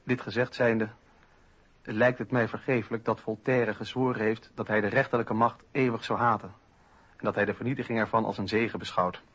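An actor playing an earnest, articulate young philosopher reading out his letter in a radio play, with a husky voice. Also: fairly low pitch, fairly even intonation, normal speed, a bit bright. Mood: indignant. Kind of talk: radio drama letter monologue. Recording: dull lo-fi old radio recording.

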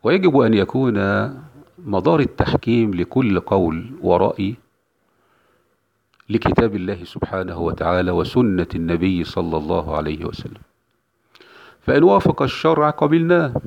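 Gravelly-voiced preacher, lo-fi. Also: male voice, low voice, darkish tone, a little hiss or hum. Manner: emphatic, repeats key phrases. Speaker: Islamic preacher. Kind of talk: religious lecture. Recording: dull lo-fi recording.

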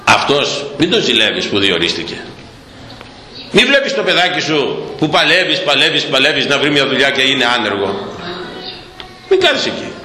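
Fiery older Greek priest preaching. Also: male voice, mid-range voice, sing-song, reverberant, big-room sound. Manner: fiery, shouting bursts, mocking. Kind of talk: sermon.

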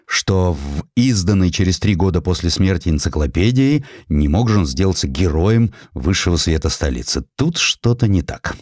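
A man with a low voice narrates a literary audiobook. His delivery is highly animated, with rhetorical turns and emphatic pauses. The sound is dry and close. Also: no echo. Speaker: audiobook narrator, reading in the author's first person. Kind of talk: expressive dramatized literary narration.

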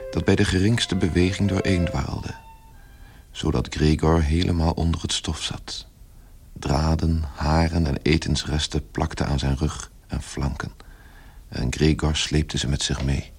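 Very deep male radio play narrator. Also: little pitch movement, unhurried. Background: loud music.

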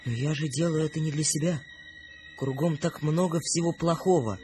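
A man's voice: fairly high pitch, moderate pace, warm tone, lightly acted. An actor playing a sensitive young man, a wary dreamer, in a radio drama, questioning and earnest. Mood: earnest, intrigued. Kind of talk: Russian radio drama acting. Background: music.

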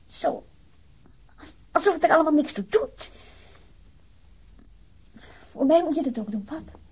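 An actress playing a young, caring daughter who gently coaxes and questions her wounded father in a radio play. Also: sits high, expressive, a little slow. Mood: earnest, coaxing. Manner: gently probing, coaxing, hesitant. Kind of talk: naturalistic radio play acting.

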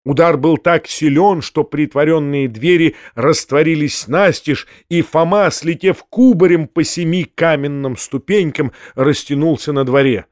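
A man narrating a classic novel as an audiobook in a measured, expressive way, recorded on a close studio mic. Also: fairly high pitch, no echo.

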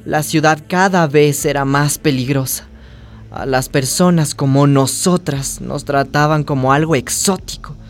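A tender, wounded young trans woman narrates and acts in a radio drama. Her voice is low and slow, confiding and heartfelt. Music plays softly behind her. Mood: wistful, confiding.

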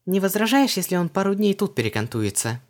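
A man's voice: big pitch swings, fairly quick. A man voicing a chirpy flustered young woman. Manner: high, bright, breathless.

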